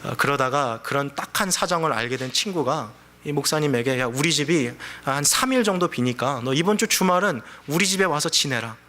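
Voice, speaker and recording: Man, pastor, sermon, chatty storytelling delivery, bright tense tone. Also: fairly high pitch, expressive, brisk, few pauses. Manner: conversational storytelling, acts out quoted voices.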